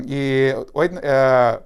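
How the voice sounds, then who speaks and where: Brazilian man, Portuguese accent, smooth clear voice, halting live tech talk with many fillers. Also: mid-range voice. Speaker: developer advocate. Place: company studio.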